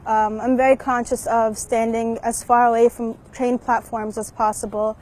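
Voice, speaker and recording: A young woman who speaks in a reflective, measured way about her personal choices. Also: on the high side, flat delivery, darkish tone. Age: young adult. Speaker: university student interviewee.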